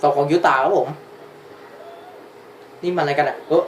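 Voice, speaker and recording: A man's voice: fairly high pitch, fairly even intonation, normal speed. A man doing a casual reaction commentary, blurting out surprise and slang as he watches. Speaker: anime reaction host. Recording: roomy with faint background noise.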